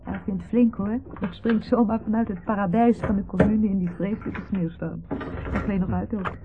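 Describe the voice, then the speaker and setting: An actress playing a caring, mildly fussing wife of a businessman in a radio play, gentle and concerned. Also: mid-range voice, steady tone, moderate pace, close to an everyday voice. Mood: concerned, admiring. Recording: muffled, noisy old radio play recording.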